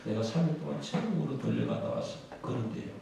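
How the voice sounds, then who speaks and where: A man's voice: mid-range voice, fast, vocal fry, dark tone, a little hiss or hum, voice pushed down. An elderly churchwoman , put on by a male preacher, pleads in an earnest, bewildered tone. Her voice rings through a large echoing hall, heard from a distance. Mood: pleading. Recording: echoey hall from far off.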